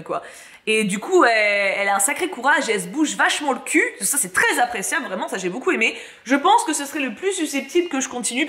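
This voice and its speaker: A woman's voice: on the high side, a bit bright. A young woman reviewing books in casual chat, chatty and slangy, laughing often. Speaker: book reviewer. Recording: echoey room.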